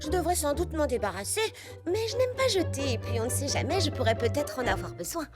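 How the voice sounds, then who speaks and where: Kind inventive cartoon grandma, high-pitched, with music underneath. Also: female voice, fast. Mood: gentle. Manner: gentle, chatty and expressive. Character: kindly old grandmotherly woman, inventive. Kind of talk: French cartoon dub. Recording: studio voice over cartoon music.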